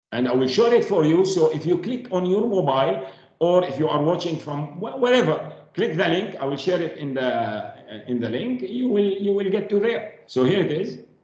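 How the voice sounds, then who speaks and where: With noticeable background noise and audible room echo, a man speaks at a moderate pace in a high pitch, his intonation lively. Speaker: software trainer. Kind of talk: tutorial.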